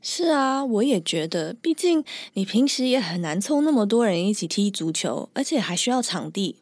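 A woman's voice: mid-range voice, big pitch swings, normal speed, a little mellow, slightly rough, no echo, studio quality. A woman co-hosting a language-learning podcast, chatting easily and agreeing with her partner. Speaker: podcast co-host and teacher.

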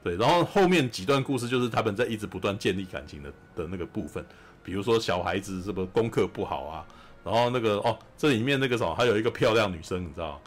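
A man with a Taiwanese Mandarin accent, hosting a podcast and telling a film's story in an animated, chatty way, often asking "you know?". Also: lowish voice, fast talker, slight background noise. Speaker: podcast host. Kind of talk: casual film recap chat.

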